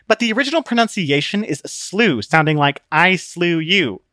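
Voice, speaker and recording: A man voicing a sardonic, deadpan female hologram book, a scoffing know-it-all in an audiobook story. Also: sits high, a little fast, dry recording, clean studio sound, voice pushed up, heavily acted. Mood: scolding.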